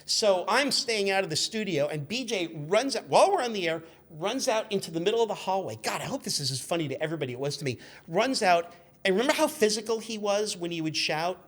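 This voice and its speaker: A man in his fifties telling anecdotes in an animated, chatty way as a podcast guest. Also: high voice, fast talker. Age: 50s. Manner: chatty, acts out quoted shouts. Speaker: podcast guest, magazine editor.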